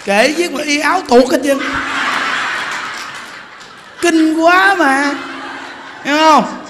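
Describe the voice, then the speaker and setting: A Buddhist monk giving an animated sermon, joking as he tells stories and addresses the audience directly. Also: very high voice, takes it slowly, in a large hall, noisy background. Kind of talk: lively sermon.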